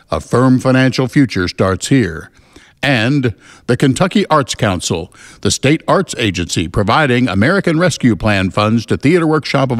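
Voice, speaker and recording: Mid-pitched male radio serial announcer.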